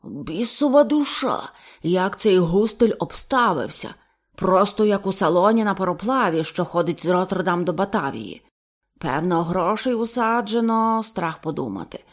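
A woman voicing a stout old sea captain who speaks slowly, bluntly and jovially. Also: mid-range voice, expressive, close to an everyday voice. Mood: hearty.

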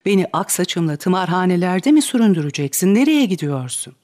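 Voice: mid-range voice, big pitch swings, brisk, a little mellow, close to an everyday voice. A reader voicing a fretful, devoted older wet nurse in a dramatic reading of a stage play, bewildered and fussing. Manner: bewildered and fussing, wringing out laments.

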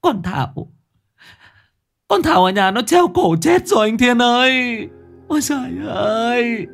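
A young village wife wails through her sobs, as a male storyteller puts her on, her voice pitched high and thin with a strained edge. Her words break and spill out between sobs. Faint music plays underneath. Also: animated, a little slow, gravelly, exaggerated voice. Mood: wailing grief. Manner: sobbing, wailing.

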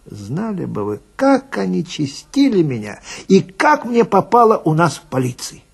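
A man playing a chatty, grumbling police detective who tells his story wryly and confidingly, with dramatic pauses, in a radio reading with a gravelly, husky voice. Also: sits high, wildly swooping pitch, voice pushed up, heavily acted. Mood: disgruntled.

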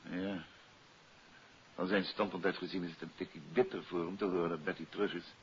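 Guy playing smooth unhurried detective in a 50s dutch radio drama, low voice, muffled old broadcast. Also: flat delivery, slight background noise, natural voice. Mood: pensive. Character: suave, unhurried male amateur detective, teasing husband. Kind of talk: 1950s Dutch radio play acting. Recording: dull old radio recording, music behind.

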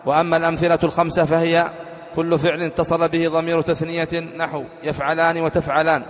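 Male sheikh teaching grammar, slightly high voice, keeps quizzing the class, dull recording with a long hall echo. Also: level tone. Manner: quizzes students with rhetorical questions; reads a text aloud slowly, then explains it.

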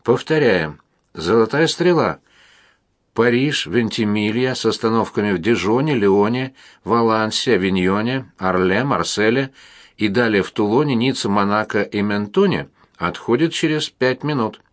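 A man voicing a formal male railway station announcer in a storybook reading, with a loud official cadence. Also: on the low side, lively intonation, normal speed, natural voice. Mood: announcing.

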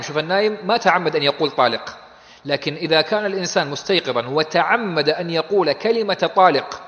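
A man's voice: fairly high pitch, fairly bright tone. A man teaching a law text in a classroom lecture. He asks questions, answers them himself, and explains in plain conversational terms. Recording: dull audio with long hall reverb.

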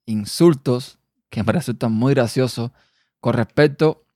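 A man with a Cuban accent hosting a personal podcast monologue, a quick talker who sometimes trips over his words. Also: medium pitch, dark tone, dry recording, clean studio sound. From Cuba. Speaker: podcast host.

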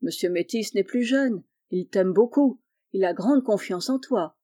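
A kind, wealthy gentleman painter speaks gently and reassuringly to the young men he looks after, as a woman narrator puts him on. The tone is mellow and warm, and his reading has the calm of a storybook. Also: medium pitch, a little slow, natural voice. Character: kind wealthy middle-aged male painter, benefactor.

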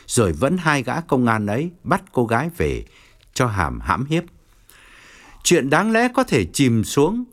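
Guy narrating an audiobook, super animated pitch, storyteller vibe. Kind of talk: scripted narration.

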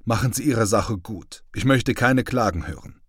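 A man's voice: fairly low pitch, moderate pace, breathy edge, no room sound, studio quality. A man reading the part of a stern male army company commander giving formal, clipped orders. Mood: commanding.

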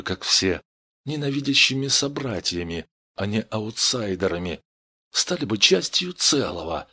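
A man reading a story aloud with expressive narration. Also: on the low side, vocal fry, slightly rough. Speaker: audiobook narrator.

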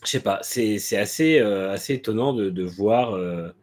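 A man's voice: on the low side, moderate pace, a little mellow. A man co-hosting a motorsport talk show, giving frank, blunt opinions with many hesitant fillers. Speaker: motorsport podcast co-host. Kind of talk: casual opinionated chat.

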